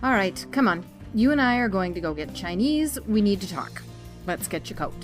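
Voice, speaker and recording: Firm, animated professional woman played by an actress, music behind. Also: medium pitch, moderate pace, natural voice. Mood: probing, concerned. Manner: pointed, insistent, questioning. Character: firm, probing female colleague who treats trauma. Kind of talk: full-cast audio drama acting.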